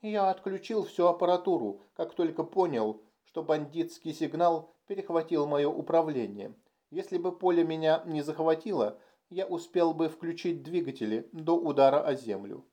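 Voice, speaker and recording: A man's voice: a little high, moderate pace, natural voice. A man voicing a scheming, timid alien puppeteer. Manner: calm, precise, scheming. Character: timid, cunning three-legged alien puppeteer. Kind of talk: audiobook character voice.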